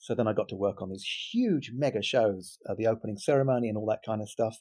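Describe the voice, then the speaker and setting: Against a quiet background, a man with a dark, mellow tone and medium pitch talks at a fairly quick pace with ordinary pitch variation. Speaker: TV showrunner and producer. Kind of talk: casual interview.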